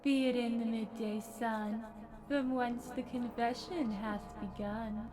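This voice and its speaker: Slow, high chanting witch played by an actress. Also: fairly even intonation. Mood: ominous, prophetic. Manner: incantatory, measured rhyming delivery. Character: ominous witch chanting a rhyming prophecy. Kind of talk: audio drama acting. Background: music.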